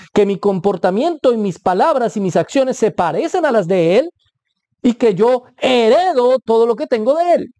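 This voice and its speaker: Mellow-voiced man teaching scripture, emphatic. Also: high-pitched, dry recording, clean studio sound. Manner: emphatic, stresses points by repeating words; checks in with listeners with a questioning aside. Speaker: preacher teaching Bible interpretation. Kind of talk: Bible teaching talk.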